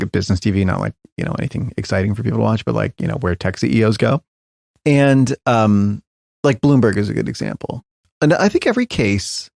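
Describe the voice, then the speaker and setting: A middle-aged man speaks as a guest in a conversational interview, his low voice carrying a gravelly texture. He thinks aloud, circling back, hedging and restarting his sentences. The sound is close and dry. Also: a little mellow, no echo. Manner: thoughtful, hedging, frequent restarts and fillers. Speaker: podcast guest, tech founder.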